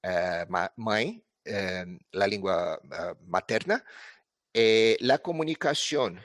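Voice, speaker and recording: A man giving an academic presentation at an online congress in a language that is not his first, speaking haltingly with many filler sounds and restarts. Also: on the low side, lively intonation, fairly bright tone, no echo, studio quality. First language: not Spanish. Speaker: conference presenter.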